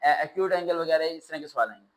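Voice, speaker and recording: Male test-prep teacher, slightly high voice, animated lecturing with sarcastic rants. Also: fast talker, rough recording. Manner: animated, ranting with sarcastic asides. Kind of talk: classroom lecture.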